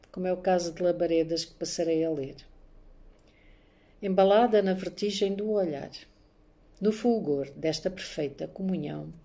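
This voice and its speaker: In a home room, a middle-aged woman with a fairly low-pitched voice presents herself and reads her poems, soft-spoken and measured. She is a poet and maths teacher born and raised in Angola, filmed on a phone camera at arm's length.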